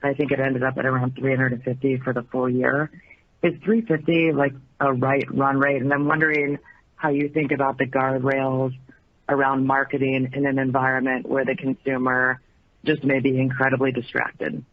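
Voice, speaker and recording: A man's voice: medium pitch, monotone, normal speed, no echo. A man phoning in as a financial analyst to put a question on an earnings call. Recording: tinny, dry telephone line.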